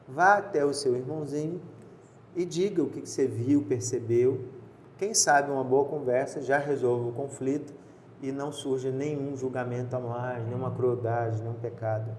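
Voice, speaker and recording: A male pastor chatting casually on a church podcast. His voice sits at a middle pitch, and he tells stories with animated quoted exchanges. The sound is roomy, with a faint hiss underneath.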